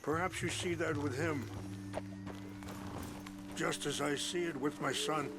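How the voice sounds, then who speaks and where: An actor playing a calm, reflective tribal chief and father, speaking in measured tones in a video game, with music behind. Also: a little high, noisy background, close to an everyday voice.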